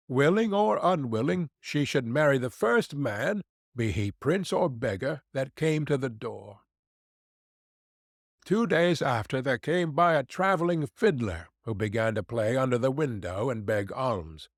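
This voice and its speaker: Guy narrating old fairy tales, slow, lots of pitch swing. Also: no room sound, studio quality. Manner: slow, lively storytelling with voiced quotes. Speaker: audiobook narrator. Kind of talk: scripted fairy tale narration.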